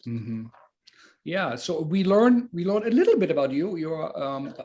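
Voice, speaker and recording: A man hosting a book talk, interviewing conversationally in halting phrases with many repeats. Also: a little high, sing-song, dark tone, highs cut off.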